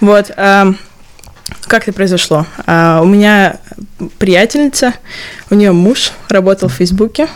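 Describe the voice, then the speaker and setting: A woman's medium-pitched voice at a fairly slow pace, with ordinary pitch variation, long, frequent pauses and noticeable background noise. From Stavropol, southern Russia. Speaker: software engineer. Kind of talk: interview. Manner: hesitant, many fillers.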